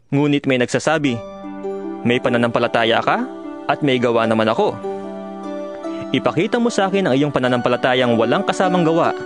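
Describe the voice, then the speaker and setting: Music plays clearly behind a man narrating a dramatized audio Bible. His voice sits at an average male pitch. He exhorts in a solemn, earnest way, stressing his points with emphasis. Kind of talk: dramatized scripture reading, exhorting.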